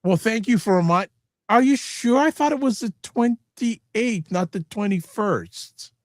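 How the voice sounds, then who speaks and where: A man's voice: high voice, unhurried, no room sound, clean studio sound. A man hosting a live-streamed talk show, chatting casually and animatedly, often cutting himself off and joking. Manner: animated, self-interrupting, jokey. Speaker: host.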